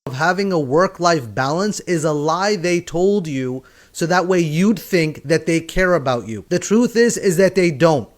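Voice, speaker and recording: A man's voice: fairly high pitch, lively intonation, unhurried, hardly any pauses. A man giving an earnest, emphatic motivational monologue.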